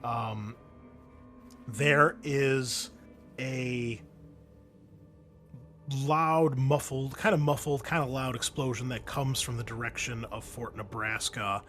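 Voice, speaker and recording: A man's voice: mid-range voice, slow pace, long pauses, fairly bright tone. Man narrating a tabletop game, music behind. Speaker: game master.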